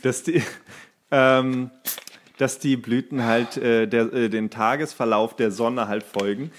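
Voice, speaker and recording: A man with a medium-pitched voice speaks as a podcast co-host. He chats casually and explains things in a halting way, often rephrasing as he goes. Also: steady tone, slight background noise. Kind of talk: casual conversational chat.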